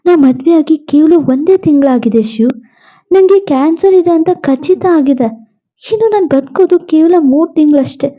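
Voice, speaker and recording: A woman voicing a gentle, loving young wife who is dying and speaks in a soft, pleading way. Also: high voice, moderate pace, dull audio, pitched above the performer's own voice, close to an everyday voice. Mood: sad pleading.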